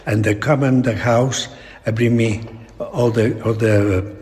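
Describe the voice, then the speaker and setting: A very old man with a Spanish accent, talking reflectively in an interview in halting, broken English with repeated words. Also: mid-range voice, fairly even intonation, a little mellow, a little hiss or hum. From Spain. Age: elderly. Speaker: painter being interviewed. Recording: long echoing reverb in a hall.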